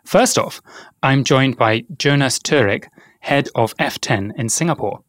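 A man's voice: medium pitch, measured pace, a bit bright, no room sound, clean studio sound. A man hosting a finance podcast, reading a polished intro and then putting questions to his guests. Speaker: podcast host.

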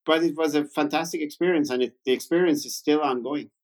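This man in his fifties, a native Farsi speaker from Iran and a tech founder, tells his story conversationally as an interview guest. His voice sits on the high side and is a little mellow, and he talks fast.

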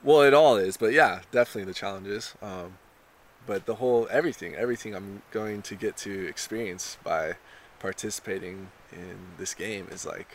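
A young man talking in a relaxed surfer way, full of "you know" and "like", in a casual interview. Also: fairly low pitch, moderate pace, a little hiss or hum. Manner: laid-back surfer talk, lots of "you know" and "like". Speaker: contestant being interviewed.

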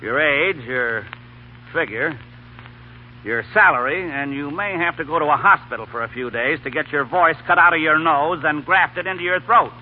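A man's voice: a little high, moderate pace, narrow, tinny audio, natural voice. An actor playing a brash, bossy, wisecracking film publicity man in a 1930s radio comedy, cutting in and ordering people around. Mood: bossy, impatient. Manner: domineering, wisecracking, cuts others off. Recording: crackly, thin 1930s radio broadcast.

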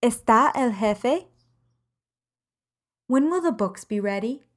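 A woman teaching a language lesson podcast, reading example sentences in measured, carefully enunciated phrases. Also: a little high, lively intonation. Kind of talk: slow, clear podcast lesson.

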